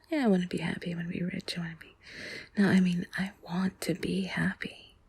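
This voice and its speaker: A woman whispering softly and intimately in a breathy, husky voice, close to the mic, confiding in a rambling ASMR monologue. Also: fairly low pitch, no echo. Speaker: intimate audio host.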